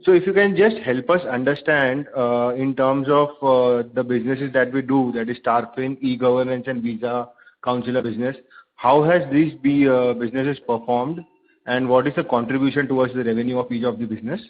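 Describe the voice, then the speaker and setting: A man, politely and haltingly putting questions as an investor on an earnings call. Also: mid-range voice, fairly even intonation. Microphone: phone. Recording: narrowband phone line.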